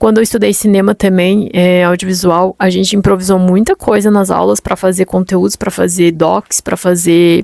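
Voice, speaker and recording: A woman's medium-pitched voice at very even loudness, with hardly any pauses and a dry, close sound lacking echo. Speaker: content creator and YouTuber. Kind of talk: casual vlog talk to camera. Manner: fast; animated.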